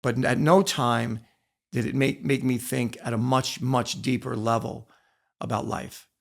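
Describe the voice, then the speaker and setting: In a podcast interview, a middle-aged American former wrestler turned author reflects on his own stories. His gravelly mid-range voice is steady and a little slow, and he speaks with earnest emphasis, repeating phrases to give them weight.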